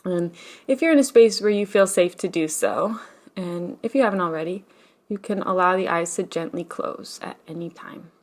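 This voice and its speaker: A woman leading a guided meditation as a teacher, speaking in a gentle, soothing, unhurried manner with long pauses. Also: on the low side.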